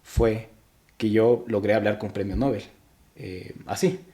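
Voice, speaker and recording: Mellow-voiced young man from Ecuador. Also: lowish voice, fairly even intonation, a little slow. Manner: reflective, with frequent restarts and hesitations. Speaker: podcast guest. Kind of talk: casual interview chat.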